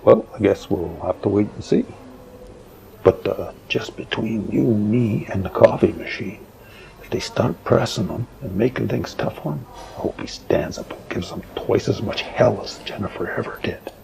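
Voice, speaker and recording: Very gravelly, low-voiced idealist reporter played by a man. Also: normal speed. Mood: confiding. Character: principled, defiant male reporter devoted to the truth. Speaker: voice actor in an audio drama. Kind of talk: audio drama dialogue. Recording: clearly noisy background, hobby recording.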